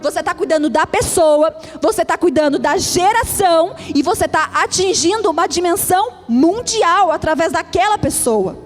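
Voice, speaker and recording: A woman's voice: extremely high pitch, lively intonation, moderate pace, few pauses. A woman pastor with a Brazilian Portuguese accent, preaching a sermon in an emphatic, repetitive cadence. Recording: reverberant hall with faint music.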